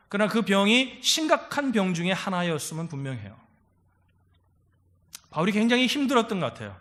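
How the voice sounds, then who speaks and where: A man pastor preaching a sermon in a church, animated, acting out quoted voices and calling out hallelujah. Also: high voice. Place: church sanctuary.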